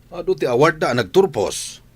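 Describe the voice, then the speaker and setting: A man playing a calm husband who lectures his wife. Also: a little high, normal speed, breathy edge. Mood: stern. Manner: calm, admonishing. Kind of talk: Ilocano family drama acting.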